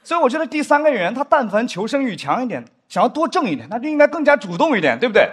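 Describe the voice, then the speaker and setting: A man performing a stand-up comedy set on a studio stage, acting out drama scenes with big pitch swings. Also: sing-song, very fast, slight background noise. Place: studio stage with live audience.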